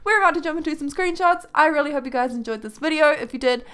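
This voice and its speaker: A woman's voice: high voice, fast talker, fairly bright tone. A young woman doing casual, chatty YouTube gaming commentary in a rambling, self-deprecating way with blunt, mild swearing. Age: young adult. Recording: music behind the voice. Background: music.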